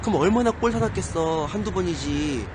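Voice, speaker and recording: A man's voice comes with audible room echo and noticeable noise behind it. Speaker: internet live streamer. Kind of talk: live stream chat.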